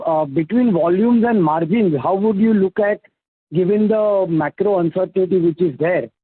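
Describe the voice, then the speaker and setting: Male analyst, Indian accent, notably high pitch, halting questions, dry narrowband telephone sound. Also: husky, no echo. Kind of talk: earnings call questioning. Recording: narrowband phone line.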